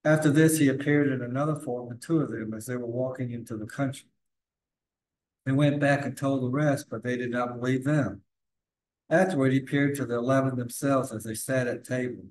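A man's voice: medium pitch, steady tone, brisk, darkish tone, low-quality recording. Older man reading scripture aloud. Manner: plain, careful reading aloud. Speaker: lay reader. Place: large cathedral sanctuary, indoors. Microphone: far camera.

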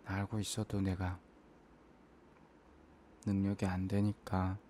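A man in an ASMR role-play as an apologetic, self-blaming young boyfriend, speaking in a soft, intimate, hesitant murmur. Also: sits low, monotone, slow, a little hiss or hum.

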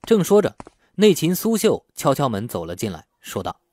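Male audiobook narrator with lively intonation. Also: a little high, moderate pace, no echo, studio quality. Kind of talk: scripted novel narration.

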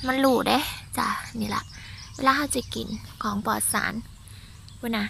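A woman's voice: fairly high pitch, steady tone, normal speed, vocal fry, a bit bright, slight background noise. A woman with an Isan accent giving a chatty walking tour of her vegetable garden, exclaiming and talking straight to her viewers.

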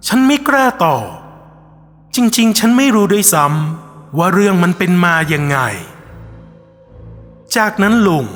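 A man telling a scripted ghost story in a measured, somber first-person voice. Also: high voice. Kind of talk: scripted horror narration. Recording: long reverb with soft music behind.

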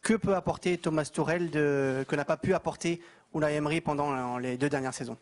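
A man's voice: on the high side, steady tone, fairly quick. A man, a radio reporter, putting a question at a press conference. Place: indoor press conference room.

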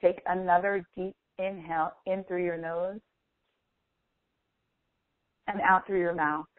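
A woman leading a guided meditation as a coach, speaking in a slow, deliberate, instructive manner with long pauses. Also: lowish voice, steady tone, no echo. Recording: phone-like thin, band-limited audio.

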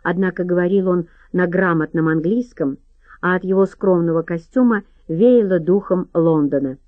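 A woman narrating a mystery audiobook in an even, measured reading. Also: lowish voice, no room sound. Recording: dry, slightly dull audiobook recording.

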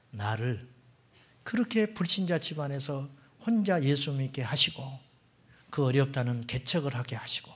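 A middle-aged man, the pastor, preaching a sermon in a church and swinging between loud exclamations and hushed whispers. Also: mid-range voice, breathy edge. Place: church sanctuary.

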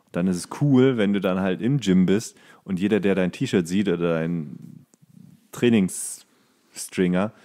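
A man's voice: deep voice, unhurried, mellow. A man chatting as a comedy podcast co-host, joking and playing puzzled. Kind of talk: casual comic banter.

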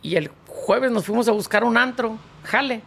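A man, a band founder and accordionist, telling slangy, animated anecdotes as a guest in a casual interview. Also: extremely high pitch, normal speed, vocal fry.

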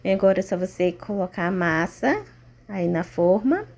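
A woman's voice: on the low side, expressive, normal speed, darkish tone. A woman with a Brazilian accent narrating a recipe casually and informally, often checking in with her listeners. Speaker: home cooking vlogger.

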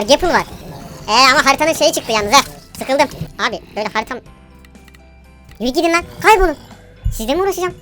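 A woman with a very high, piping voice gives live commentary on her gameplay. She talks in a brash, slangy rush and bosses the on-screen monsters around. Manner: brash, bossy, yells at game monsters, slangy.

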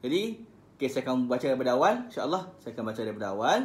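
A man with a Malaysian Malay accent teaching Quran recitation on a live stream. He chants verses slowly, then corrects pronunciation in quick, casual asides. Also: medium pitch, very animated, reverberant. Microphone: phone live stream.

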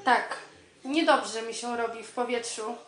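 A young woman playing an eager, deadpan army recruit in a radio comedy, giving brisk, obedient replies. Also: fairly high pitch. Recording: roomy home recording.

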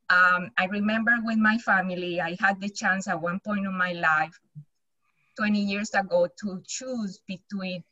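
A middle-aged woman with a Colombian accent, a native Spanish speaker, sharing personally in a halting, earnest way. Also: mid-range voice, sharp tone, no echo, lo-fi sound. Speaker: participant in a group video call. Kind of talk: personal sharing in a group discussion. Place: small home office, indoors. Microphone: computer mic on a video call.

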